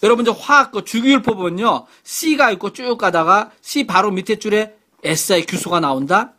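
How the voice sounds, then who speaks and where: A man's voice: high-pitched, moderate pace, bright, forceful tone. A man teaching a middle school science lecture online in a chatty way, repeating key words and checking in with rhetorical questions.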